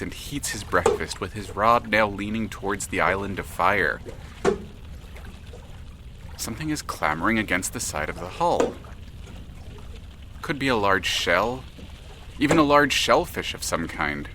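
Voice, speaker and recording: A man narrating an audio drama in a measured, dramatic, literary storytelling manner. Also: on the low side, background noise.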